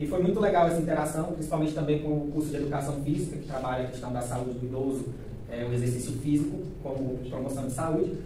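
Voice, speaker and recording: Over noticeable background noise and audible room echo, a man with a fairly high pitch talks at a very fast pace with fairly even intonation. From Tocantins, Brazil. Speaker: law student. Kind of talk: student project presentation. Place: classroom. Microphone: camera far.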